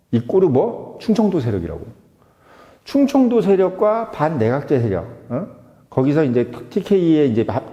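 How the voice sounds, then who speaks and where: Man, political commentary, emphatic, rhetorical questions, lively swinging pitch, mellow tone, dull roomy sound with long reverb. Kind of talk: casual political commentary monologue.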